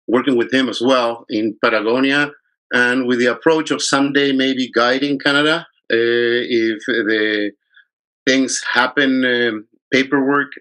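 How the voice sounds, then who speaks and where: A man's voice: fairly low pitch, pushed and bright, low-quality recording. A man, a fly fishing guide telling his story in a casual interview, rambling and often restarting his sentences. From Chile.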